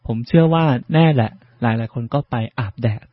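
A male radio host leads an English vocabulary lesson and recaps every term for his listeners in a polite, measured way. His voice sits in an ordinary middle pitch. It is recorded dry, with a slightly dull broadcast sound. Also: dry recording.

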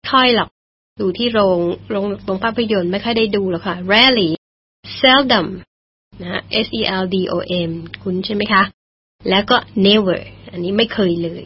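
A woman teaching English in a radio lesson, patiently explaining and repeating phrases slowly. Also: medium pitch, slightly rough. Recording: dull lo-fi broadcast recording.

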